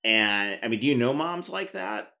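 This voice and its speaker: A man's voice: mid-range voice, big pitch swings, normal speed, creaky, bright, forceful tone. A man hosting a podcast, chatting casually with a wry, playful tone and casual swearing. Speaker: podcast host. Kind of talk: casual chat.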